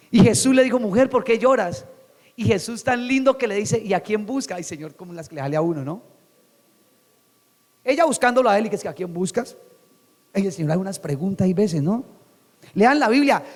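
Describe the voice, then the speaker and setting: A young Colombian man preaching a sermon as pastor, animated, acting out scripture quotes in dramatic voices. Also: sits high. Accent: Colombian Spanish. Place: church sanctuary. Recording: long church reverb.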